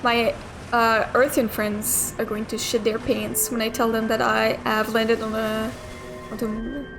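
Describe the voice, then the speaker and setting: A woman's voice: on the high side, flat delivery, a little slow, poor audio. A young woman casually commenting and thinking aloud while playing a video game, swearing now and then. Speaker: gamer playing through a game. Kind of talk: casual let's play commentary. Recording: game music playing clearly behind. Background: game music.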